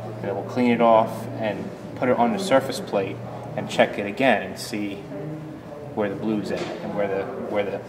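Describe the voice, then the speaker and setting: Easygoing lower-voiced man touring a shop. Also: little pitch movement, moderate pace, big-room sound, noisy background. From United States. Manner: easygoing, repeats words while thinking. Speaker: channel host. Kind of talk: casual vlog narration. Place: machine shop at an outdoor engine show.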